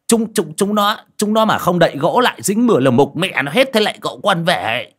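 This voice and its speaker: A man's voice: sits high, lively intonation, a little fast, slightly rough, voice pushed up. A man voicing a flustered, drunk older man who stammers and rambles.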